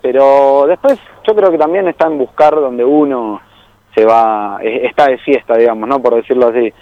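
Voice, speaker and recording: A man's voice: mid-range voice, moderate pace, no echo, lo-fi sound. A young Argentine man talks casually as a radio guest who works as a tour guide. He rambles, uses many fillers and laughs easily. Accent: Argentine Spanish.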